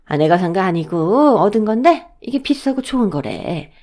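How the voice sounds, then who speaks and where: A woman's voice: medium pitch, sing-song, darkish tone. A woman doing a nagging old mother-in-law. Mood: doting. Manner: scolding, drawn-out nagging. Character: older mother-in-law, stubborn and favoring.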